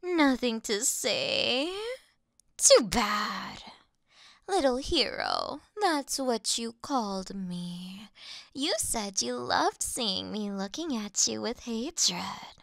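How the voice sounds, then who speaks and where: A woman playing a gloating, scornful female hero in an audio roleplay, mocking and deliberate, sometimes breathy. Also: on the high side, lively intonation, fairly bright tone, no room sound, studio quality, heavily acted. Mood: mocking glee, then taunting contempt. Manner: mocking, slow, deliberate, breaking into whispers. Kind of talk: dramatic scripted audio roleplay monologue.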